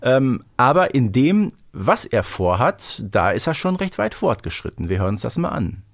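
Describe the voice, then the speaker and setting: A man talks as a podcast co-host in a casual, slightly wry way, often tagging his remarks with little questions. His voice sits at an average pitch and is recorded very dry. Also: sing-song, moderate pace, vocal fry, no echo. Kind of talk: casual review chat about audio dramas.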